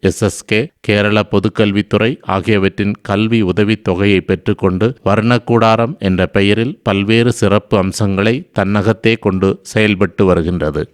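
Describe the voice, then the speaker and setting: A man with a lowish, smooth, clear voice gives a formal, measured address. He sounds close to the mic, with a dry, untreated sound. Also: fairly even intonation, no room sound.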